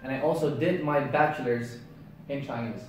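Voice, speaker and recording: A man's voice: mid-range voice, moderate pace, a little mellow, very echoey, recorded from a distance, faint music behind, rough recording. A man in his twenties from Yemen whose native language is Arabic, co-hosting a casual chat in an upbeat, eager way. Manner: upbeat and eager, laughs often. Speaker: co-host.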